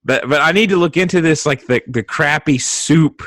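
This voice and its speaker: A man's voice: fairly high pitch, normal speed, fairly bright tone, dry recording, studio quality. A man hosting a podcast as a therapist, asking questions eagerly and explaining ideas in a casual, affirming way. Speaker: podcast host, EMDR therapist.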